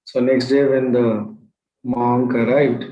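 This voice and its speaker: A man, a spiritual teacher telling a story to an online group, slow and pausing, often asking his listeners questions. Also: mid-range voice, flat delivery, lo-fi sound. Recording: roomy echo.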